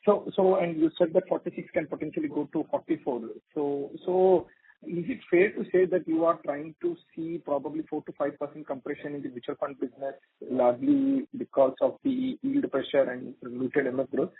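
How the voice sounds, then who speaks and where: A man's voice: fairly high pitch, normal speed, creaky, breathy edge. A man with an Indian accent, an analyst asking questions on a conference call and often repeating his words. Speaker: financial analyst caller. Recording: dry narrowband phone line.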